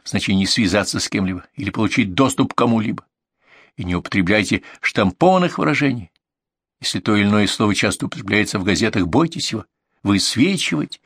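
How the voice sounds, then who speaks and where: A man narrates an audiobook of essays in a fairly low voice, taking his time with each phrase. The recording is close and dry, with no room sound around him. His delivery is steady and deliberate, easing off further for examples. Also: slightly rough, no echo. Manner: measured, deliberate delivery, slowing down for word lists and examples. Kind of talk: scripted audiobook reading of essays.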